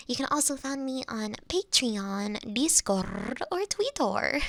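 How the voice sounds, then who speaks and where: Female streamer and host, high voice, friendly address to viewers, dry close-mic recording. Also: gravelly, fairly bright tone, no echo. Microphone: close binaural microphone.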